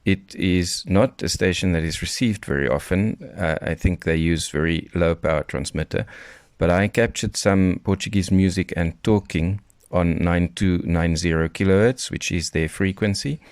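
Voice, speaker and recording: A man's voice: deep voice, normal speed, a little mellow, no room sound, clean studio sound. A man narrating informally as a radio hobbyist, explaining a recording he made.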